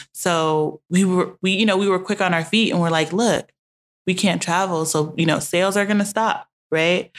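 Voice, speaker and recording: On a very clean recording with a silent background, a woman with an American accent speaks in an unremarkable speaking voice at a medium pitch and moderate pace, with fairly even intonation and very even loudness. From Maryland, US. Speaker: entrepreneur. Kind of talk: casual chat.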